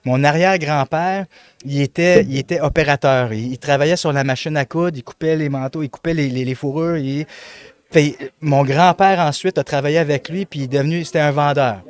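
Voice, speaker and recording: Middle-aged Québécois male guest, lively storyteller, dry close mic. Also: fairly high pitch, fairly quick, clear, resonant tone, dry recording. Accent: Québécois French. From Montreal, Quebec. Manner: animated, many fillers and repeats. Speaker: guest, company president. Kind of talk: interview storytelling.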